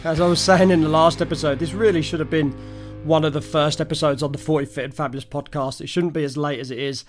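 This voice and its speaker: A man hosting a podcast, his voice slightly croaky, talking in a chatty, upbeat way. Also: a little high, fairly even intonation, fast, soft background music. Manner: chatty, upbeat, friendly promotional. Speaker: podcast host. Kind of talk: casual solo wrap-up talk.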